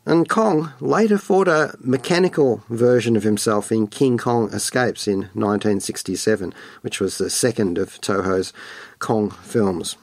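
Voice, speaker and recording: A man presents scripted film and music commentary as a radio host. His voice sits at an average pitch and is recorded very dry. His delivery is wordy and playful, full of colloquial flourishes. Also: darkish tone, no echo.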